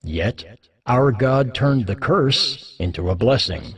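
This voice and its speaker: A male narrator reads scripture from a script. His pitch sits in the middle range for a man, and his delivery is formal and measured. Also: lively intonation, fairly bright tone.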